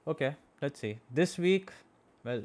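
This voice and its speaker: In this clip the young Pakistani-accented teacher sounds fairly high-pitched and a little mellow, with lively intonation and an unhurried pace. Seated at a desk in a small room with a boom-arm mic close by, he leads an informal live-streamed maths class. He chats, checks in with "okay?", and alternates English and Urdu.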